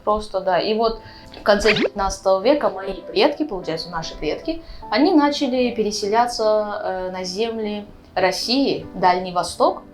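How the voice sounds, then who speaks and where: A woman's voice: medium pitch, moderate pace, music in the background. A woman in her twenties from Uzbekistan, speaking as a guest in a casual, conversational explanation, often checking in with her listener. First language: Russian. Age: 20s. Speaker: guest, vlogger.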